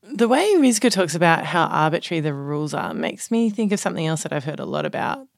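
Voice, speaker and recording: A woman reporter narrating a documentary podcast in a calm first-person storytelling manner. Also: sits low, fast talker, creaky, no room sound, clean studio sound. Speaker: reporter and co-host.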